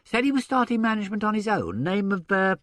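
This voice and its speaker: A man's voice: sits high, sing-song, fast talker, a bit bright, no echo, voice pushed up. A man voicing a deferential male secretary who answers politely and hesitantly. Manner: hesitant, polite, says sir.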